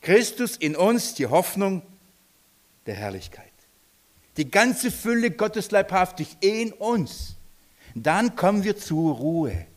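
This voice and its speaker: A man preaching a sermon, swinging between emphatic declarations and hushed, quiet lines, often asking his listeners direct questions. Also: high voice, sing-song, slow. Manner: dynamic, swings from loud emphasis to hushed near-whispers; addresses congregation directly with questions.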